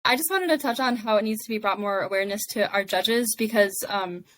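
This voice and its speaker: A woman's voice: medium pitch, brisk, fairly bright tone. A young woman on a panel discussion, casually telling a story.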